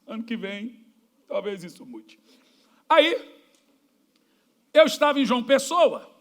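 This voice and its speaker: A Brazilian man preaching a sermon in church, his voice sitting unusually high. He tells jokey stories and acts out the people in them. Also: very animated, slow. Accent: Brazilian Portuguese. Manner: storytelling, jokey, acts out quoted dialogue. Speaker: pastor.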